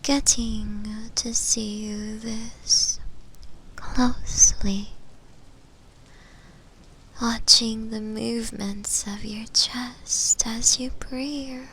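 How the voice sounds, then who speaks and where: Woman acting as female shadow demon, obsessive, intimate whisper, extremely slow halting delivery, breathy, ASMR roleplay, faint ambient noise. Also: a little high, steady tone, sharp tone, exaggerated voice, rough recording. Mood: yearning, flirty. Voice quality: breathy, almost entirely whispered. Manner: halting, lingering pauses, intimate and coaxing. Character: flirty, possessive female shadow demon, shy yet obsessive.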